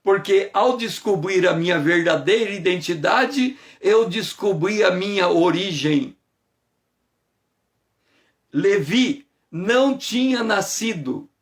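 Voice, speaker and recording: A man giving a conversational morning devotional sermon as a pastor, playful and teasing, greeting viewers by name and slowing down to stress key phrases. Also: high voice, expressive. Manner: slows down and stretches phrases for emphasis.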